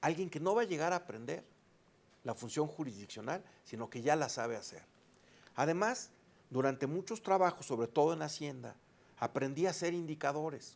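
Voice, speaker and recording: A man with a fairly high pitch and lively intonation, fairly quick but broken by long, frequent pauses. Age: 60s. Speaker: judicial candidate, government lawyer. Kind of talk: interview.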